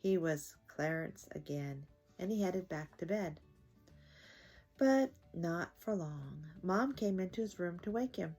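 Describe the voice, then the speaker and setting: Older woman, husky voice, lively pitch, children's read-aloud host, expressive. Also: slow pace, faint music behind. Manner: expressive, addressing young listeners. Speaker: host and reader of a children's story time.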